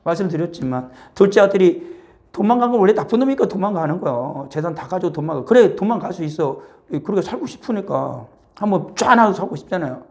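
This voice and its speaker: Animated Korean pastor, slightly high voice. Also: male voice, fast talker. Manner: animated, acts out little dialogues between father and child. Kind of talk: sermon. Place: church sanctuary.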